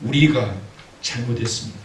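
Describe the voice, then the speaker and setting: A man preaching a sermon as pastor, telling a story with acted-out quotes and building to loud exhortation, recorded in a church. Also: mid-range voice, moderate pace, a little hiss or hum. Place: church sanctuary. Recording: echoey church hall, mic at a distance.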